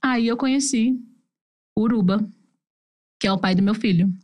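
A woman's voice: medium pitch, a little mellow. A woman from Brazil, a podcast guest telling her personal story candidly and acting out what her family said. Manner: fast, candid, acts out quoted family voices. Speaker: interview guest.

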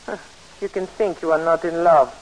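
A woman's voice: fairly low pitch, normal speed, a little mellow, dull audio, close to an everyday voice. An actress playing a shrewd, coaxing middle-aged French landlady with a French accent, in 1940s radio acting style from an old radio broadcast. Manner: sly, coaxing, theatrical.

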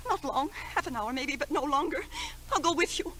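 A woman's voice: sits high, expressive, brisk. An actress playing an anxious, guilt-ridden woman in a 1950s radio drama, faltering and pleading. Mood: distraught, pleading. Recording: noisy old radio broadcast.

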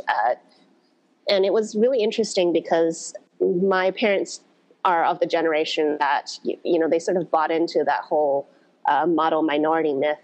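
Woman, low voice, podcast guest, reflective, storytelling pace. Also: darkish tone, rough recording. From United States. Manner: reflective, storytelling, frequent "you know". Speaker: podcast guest, blues dance organizer. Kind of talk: conversational interview.

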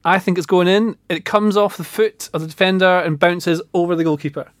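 Former striker guy on a footy podcast, bit higher voice, animated and playful. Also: a little fast, dry recording, clean studio sound. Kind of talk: football podcast chat.

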